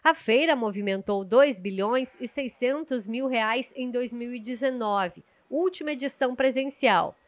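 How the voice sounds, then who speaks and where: A young adult woman reporting the news from outdoors at an agricultural fair, speaking into a handheld mic in a measured, scripted way. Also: fairly high pitch, no echo. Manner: measured, clear reporting delivery.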